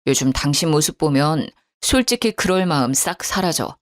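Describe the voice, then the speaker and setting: A woman's voice: low voice, lively intonation, moderate pace, pitched below the performer's own voice. A woman voicing a curt, cold husband. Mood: cold, defensive. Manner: curt, blaming. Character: cold dismissive husband, man in his thirties.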